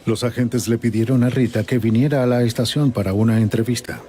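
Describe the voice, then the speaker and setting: A man narrating a true-crime documentary in a measured, even storytelling manner. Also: medium pitch.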